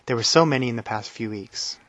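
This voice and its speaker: A man hosting a language-learning podcast in a relaxed, friendly way. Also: medium pitch, fast, no room sound, muffled recording. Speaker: podcast host. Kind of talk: casual podcast talk.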